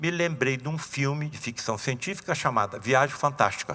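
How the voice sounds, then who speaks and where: A man talks at a fairly quick pace in an animated tone that is also bright and sharp. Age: 70s. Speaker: spiritist lecturer and surgeon. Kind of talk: lecture.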